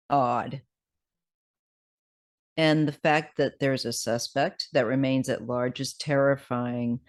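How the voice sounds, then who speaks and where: A tarot reader with a scratchy voice, talking casually and haltingly, unscripted, sometimes reading aloud. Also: medium pitch, creaky, darkish tone. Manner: hesitant, halting delivery. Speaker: tarot card reader host.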